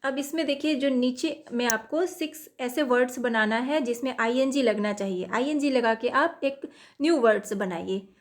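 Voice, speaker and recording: A woman with an Indian accent explaining a children's English lesson, reading each question slowly before explaining it. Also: a little high. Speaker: teacher.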